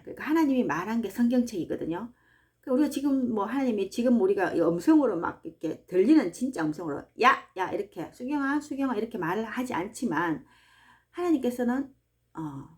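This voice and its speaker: A woman, hosting a book-reading channel and talking in a chatty, animated way about faith and daily life, speaking straight to her listeners from a small farm hut. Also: mid-range voice. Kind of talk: casual devotional talk to listeners.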